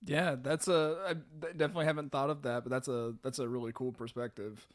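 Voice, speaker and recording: A man's voice: medium pitch, steady tone, fast talker, no room sound, clean studio sound. A man co-hosting a podcast, chatting casually and thinking aloud in a hesitant, joking way. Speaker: podcast co-host. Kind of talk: casual podcast banter and discussion.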